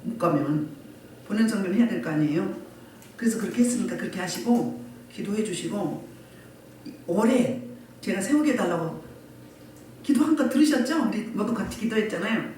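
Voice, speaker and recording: A woman's voice: mid-range voice, lively intonation, a little fast, pauses often, a little mellow, slight background noise. Woman pastor preaching in an echoey hall. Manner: repeated rhetorical questions to the congregation. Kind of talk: sermon. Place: church sanctuary. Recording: echoey room from far off.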